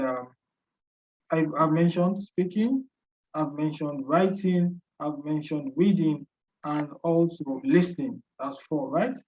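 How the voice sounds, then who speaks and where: A Nigerian-accented man speaks in a formal, measured way, circling back to the same phrases as he gives advice. His voice sits at a middle pitch, and the recording sounds a bit dull. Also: a little mellow. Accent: Nigerian English. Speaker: guest, graduate student and teacher. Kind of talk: interview answers, giving advice.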